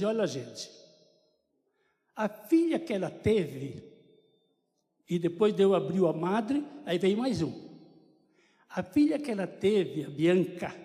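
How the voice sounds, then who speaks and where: Older Brazilian man, high mellow voice. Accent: Brazilian Portuguese. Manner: chatty storytelling with joking asides. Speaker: church member giving testimony. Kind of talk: church testimony to congregation. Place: church sanctuary. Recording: long church reverb.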